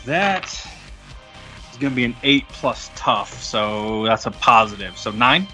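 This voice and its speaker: A man talks casually as a player in a tabletop game. His voice is bright and forward at a middling pitch, over faint music. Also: lively intonation, a little slow. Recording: music playing behind the voice.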